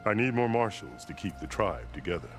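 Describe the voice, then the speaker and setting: An actor playing a stern, proud tribal chief in a video game, speaking formally and deliberately with weighty declarations. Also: male voice, low-pitched, big pitch swings. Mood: commanding. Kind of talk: dramatic video game cutscene acting. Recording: dramatic music behind the voice.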